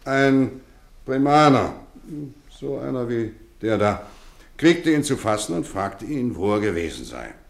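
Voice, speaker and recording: An actor playing a kindly, playfully stern middle-aged housemaster in a German radio play, measured and theatrical. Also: male voice, mid-range voice, big pitch swings, gravelly, reverberant. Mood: wistful, reflective. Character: kindly, playfully stern boarding school housemaster, grown man.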